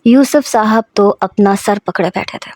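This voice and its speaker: A woman narrating a scripted story in a steady, even storytelling manner. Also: medium pitch, no room sound.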